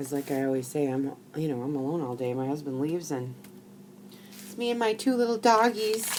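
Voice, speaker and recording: The voice is loud, with very wide pitch swings, at a fairly quick pace. Background noise is noticeable. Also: woman, very deep, low pitch for a woman. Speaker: crafting video host. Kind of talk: casual chat. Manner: talkative; loud laugh. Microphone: too quiet for some viewers.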